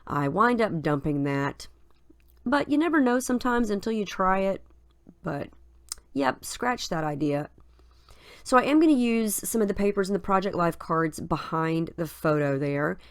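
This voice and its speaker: Low-ish woman's voice, stuffy nose, kinda scratchy from a cold, chatty craft voice-over, dry sound. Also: dry recording. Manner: chatty, relaxed, thinking aloud with fillers. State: head cold, scratchy and nasal. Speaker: craft video host. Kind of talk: casual voice-over narrating a scrapbooking process.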